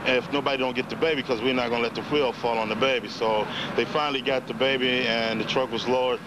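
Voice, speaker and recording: An American man giving a halting, plain-spoken eyewitness account in a television news interview outdoors. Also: medium pitch, fairly even intonation, background noise.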